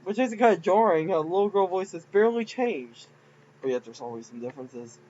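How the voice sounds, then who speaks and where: A man's voice: high voice, lively intonation, fairly quick, a little mellow, dull audio, a little hiss or hum. A man casually commenting on his own game files, rambling and giggly. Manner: rambling, giggly, self-mocking. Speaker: game modder.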